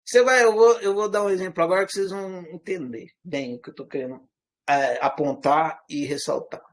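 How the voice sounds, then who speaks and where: A man with a Brazilian accent that is partly from Minas Gerais and partly rural caipira, giving an informal, animated lecture full of rhetorical questions. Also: high voice, fairly quick. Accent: Brazilian Portuguese, part Minas Gerais, part rural caipira. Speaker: teacher.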